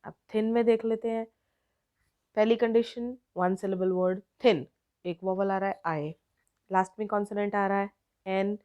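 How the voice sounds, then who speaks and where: A woman with an Indian accent teaching an online grammar lesson, explaining slowly word by word and switching between Hindi and English. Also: medium pitch, fairly even intonation, dark tone, dull audio.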